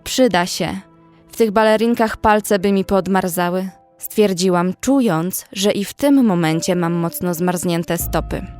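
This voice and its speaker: A woman's voice: fairly low pitch, measured pace, a little mellow, no echo, close to an everyday voice. A woman playing a young female survivor who narrates a horror audio drama in the first person. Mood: calm, observant. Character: young female survivor recounting a frozen zombie outbreak. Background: faint music.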